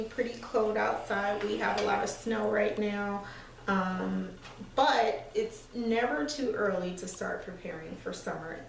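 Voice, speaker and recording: Brief: thirties woman, a little hoarse, casual step-by-step craft host, recorded at a distance in a roomy space. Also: medium pitch, a little hiss or hum. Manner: relaxed, chatty step-by-step explaining with fillers. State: slightly hoarse, losing her voice. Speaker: sewing tutorial host. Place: small room indoors at an ironing board. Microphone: far camera. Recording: echoey room, mic far off.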